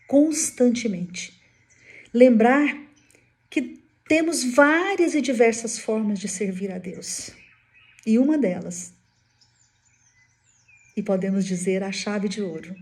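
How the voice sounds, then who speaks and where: A woman giving a spiritist devotional talk, telling a story dramatically with sudden hushed drops. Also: mid-range voice. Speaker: spiritist speaker.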